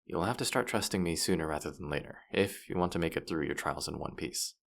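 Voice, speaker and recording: Man acting as deep, gravelly, teasing demon guide. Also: expressive, fast, fairly bright tone, full character voice. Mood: coaxing, guiding. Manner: condescending, playful, exasperated. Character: teasing, boastful male demon guide of the afterlife. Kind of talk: roleplay audio drama, addressing the listener.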